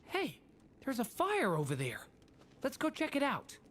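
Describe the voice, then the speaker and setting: Earnest, lively young boy hero. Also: sits high, unhurried, heavily acted. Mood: eager. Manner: earnest, eager.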